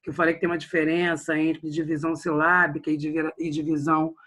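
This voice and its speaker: A man's voice: on the high side, level tone, fast, fairly bright tone. A Brazilian man teaching a literature class online, chatty and addressing his students directly. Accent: Brazilian Portuguese.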